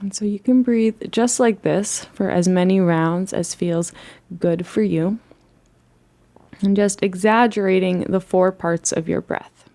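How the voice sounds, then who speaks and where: A woman leading a guided relaxation as a meditation teacher, speaking in a soothing, gentle and unhurried way. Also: mid-range voice.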